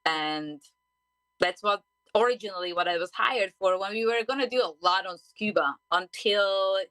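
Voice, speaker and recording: A woman in her forties from Hungary with a Hungarian accent, a diving guest telling her story in an animated radio interview. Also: medium pitch, moderate pace, no echo, rough recording. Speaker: guest, underwater safety diver. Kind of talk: interview conversation. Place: radio studio.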